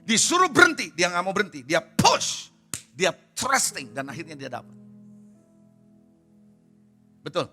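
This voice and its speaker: A man's voice: sits high, wildly swooping pitch, a little slow, pauses often, sharp tone, soft background music. A man pastor preaching a sermon at a church service, emphatic and repeatedly putting rhetorical questions to the congregation.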